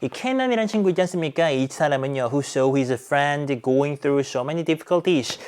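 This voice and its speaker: A man teaching an English exam lesson, animated, acting out characters' lines and asking rhetorical questions. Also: fairly high pitch. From South Korea. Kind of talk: exam explanation lecture.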